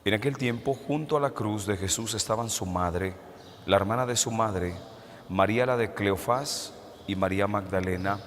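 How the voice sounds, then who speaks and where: A man, a Catholic priest, reading the gospel and preaching a homily in a church, his voice carrying a cathedral echo. He speaks in a measured way and poses rhetorical questions. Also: fairly low pitch, fairly bright tone. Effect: cathedral echo, long church reverb. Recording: long church reverb, faint hiss.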